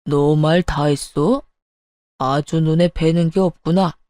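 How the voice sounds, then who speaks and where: A woman's voice: sits low, steady tone, takes it slowly, warm tone, no echo, voice pushed down. A woman voicing a domineering older father-in-law in a radio story, stern and scolding. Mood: stern angry.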